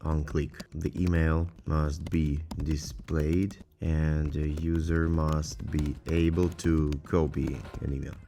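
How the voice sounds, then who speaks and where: A man giving a casual, rambling software review in an informal way, thinking aloud with lots of filler phrases. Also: a bass voice, flat delivery, slow, few pauses, a little hiss or hum. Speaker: tech reviewer.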